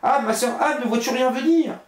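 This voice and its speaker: A man's voice: high voice, normal speed, pitched above the performer's own voice. A man voicing a frightened young wife in a storybook, pleading and anxious, in a raised voice. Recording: roomy echo.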